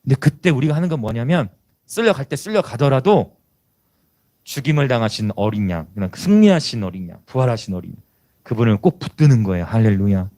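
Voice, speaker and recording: Animated, exhorting male pastor. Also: medium pitch, fairly quick. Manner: emphatic, exhorting, conversational. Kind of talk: sermon.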